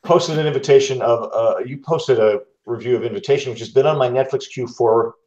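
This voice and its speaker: A man's voice: mid-range voice, fairly quick, a little mellow. A man chatting casually on a podcast, talking in an effusive, meandering and thoughtful way. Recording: roomy, echoey, dull lo-fi call audio.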